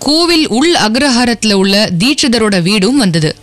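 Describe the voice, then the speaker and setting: A woman's voice: on the high side, lively intonation, normal speed, faint music behind. A woman narrating a radio drama as a storyteller, in colloquial scripted language.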